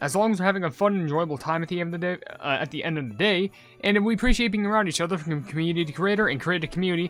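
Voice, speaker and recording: A very fast, high-pitched man's voice with ordinary pitch variation and hardly any pauses, music in the background. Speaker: gaming YouTuber. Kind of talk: gameplay commentary. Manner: casual, rambling with fillers.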